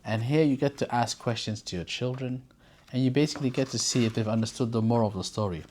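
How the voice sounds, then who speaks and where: A storyteller reading aloud for children and chatting casually to viewers in an expressive, informal, encouraging way. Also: medium pitch, fast talker. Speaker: storyteller and presenter.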